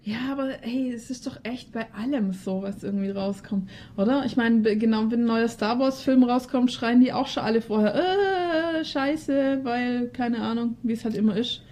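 A woman's voice: on the high side, steady tone, fairly quick, few pauses, warm tone. A woman co-hosting a casual podcast chat, talking in a chatty, teasing way. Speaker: podcast co-host.

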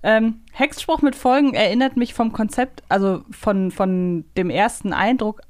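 A woman's voice: mid-range voice, unhurried, darkish tone. A woman co-hosting a podcast, chatting casually through a quiz and thinking aloud as she goes. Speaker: podcast co-host.

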